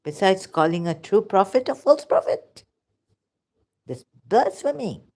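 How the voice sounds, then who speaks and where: A woman's voice: medium pitch, very animated, a little slow, warm tone. A woman with a Pakistani accent giving rambling, sarcastic religious commentary in broken English. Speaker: vlogger.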